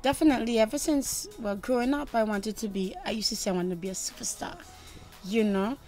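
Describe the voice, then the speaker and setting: A woman's voice: a little high, a little fast, soft background music. Young Caribbean woman singer, confident. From Trinidad and Tobago. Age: young adult. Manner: confident, animated, frequent "you know". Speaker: singer interviewed. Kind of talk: interview answers.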